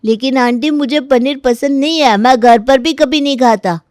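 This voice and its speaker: A woman's voice: high-pitched, normal speed, darkish tone, no room sound, clean studio sound, close to an everyday voice. A woman voicing a stubborn, whiny six-year-old boy who is a fussy eater, in a storybook tale. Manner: whiny and insistent. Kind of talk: storybook character acting.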